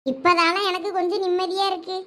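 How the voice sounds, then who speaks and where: Figure: an actor doing a fretful high-voiced village mother. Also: flat delivery, fairly quick, fairly bright tone. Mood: relieved. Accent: Thoothukudi Tamil. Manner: worried, lamenting.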